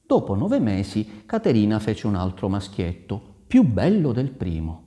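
A man reading a folk tale aloud in an animated, expressive way with dramatic pauses. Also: lowish voice. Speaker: storyteller.

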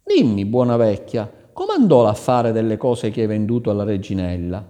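Man as a firm questioning viceroy in a fairy tale, lively pitch, mellow tone, echoing hall. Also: normal speed. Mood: commanding. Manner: commanding, questioning. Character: stern clever young woman disguised as viceroy.

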